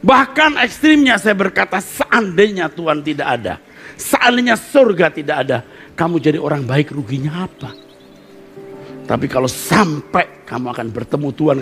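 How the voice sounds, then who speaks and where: An older man preaching a sermon to a congregation, animated and joking as he acts out little quotes. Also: on the high side, vocal fry. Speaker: pastor. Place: church service.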